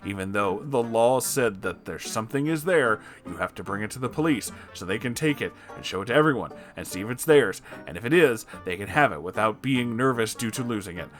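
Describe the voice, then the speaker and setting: A man's voice: lowish voice, animated, brisk, hardly any pauses. A man reading a story aloud as a comedic host, theatrical and emphatic, with music behind him. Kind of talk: comedic dramatic story narration.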